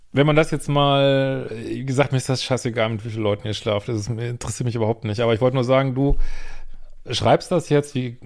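A man's voice: mid-range voice, darkish tone. A man hosting a show, reading out a viewer's letter and commenting on it bluntly, swearing freely and ending sentences with questioning tags.

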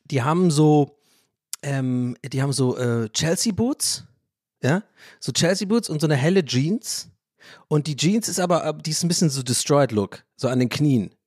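Rambling, animated man on a podcast. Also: a little high, normal speed, no room sound, clean studio sound. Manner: rambling and animated, restarts sentences, laughs often. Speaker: podcast host. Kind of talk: casual solo podcast monologue.

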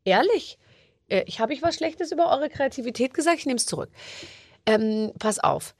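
Female host, slight Swabian accent, somewhat high voice, playful and teasing, dry close recording. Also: animated, moderate pace, no room sound. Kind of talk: game show hosting and casual chat.

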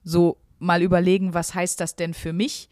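A woman chats earnestly on a podcast, thinking aloud and filling pauses freely. Her voice sits on the low side. The sound is close and dry. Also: little pitch movement, darkish tone, no room sound. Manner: chatty, earnest, talks it through with many fillers. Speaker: podcast co-host. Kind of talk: casual podcast chat.

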